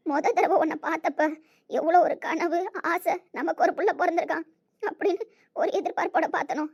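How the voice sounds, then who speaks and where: A woman playing a tender, tearful mother in a scripted family drama, speaking softly and affectionately. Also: high-pitched. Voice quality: soft, pleading, affectionate. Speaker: mother character.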